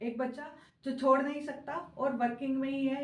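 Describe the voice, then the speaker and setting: The speaker is quiet. Noticeable background noise and audible room echo come through. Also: woman. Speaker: online exam coaching teacher. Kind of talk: tutorial. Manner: quiet, low energy; halting, many fillers.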